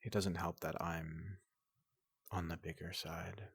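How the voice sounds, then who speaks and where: A man playing a big, gentle robot doctor in a soothing ASMR roleplay, speaking in a hushed, breathy half-whisper with a polite, reassuring manner. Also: deep voice, flat delivery, no room sound, heavily acted. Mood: soft, confiding. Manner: slow, gentle, reassuring, repeats questions softly.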